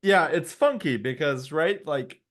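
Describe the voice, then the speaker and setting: A man's voice: fairly high pitch, lively intonation, a little slow, fairly bright tone. A man co-hosting a comedy podcast in casual chat, rambling and jokey, often breaking off mid-thought. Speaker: podcast co-host.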